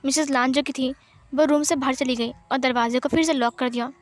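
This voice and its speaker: High-voiced woman narrating a story. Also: steady tone, fairly quick, no echo. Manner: plain retelling with frequent speech tags. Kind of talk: fan fiction narration.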